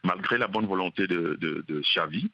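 A man's voice: sits low, moderate pace, creaky, no room sound. A man calling into a radio show, earnest and hesitant, with many fillers. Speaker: caller. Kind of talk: radio call-in. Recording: dull phone line.

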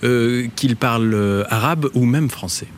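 A man working as an interviewer, asking his questions in a measured, slightly hesitant way. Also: mid-range voice, a little hiss or hum.

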